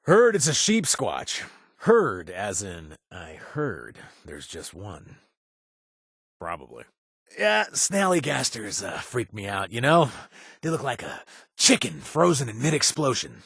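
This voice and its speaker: An actor playing a wry, sarcastic companion in a video game who hands out kill jobs, stammering and joking. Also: male voice, mid-range voice, slow, vocal fry, husky, no room sound, full character voice. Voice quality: animated, sarcastic delivery with hesitant stammers. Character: wry young man, quest-giving companion, sarcastic and jumpy. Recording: dry studio sound.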